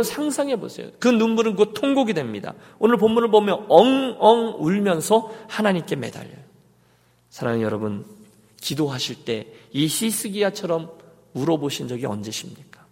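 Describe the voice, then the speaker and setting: A male pastor preaches with passion, his fairly high voice rough and gravelly. He swings from loud urging to quiet pleading, and his words ring out with a long echo in a church hall. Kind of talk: sermon. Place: church sanctuary.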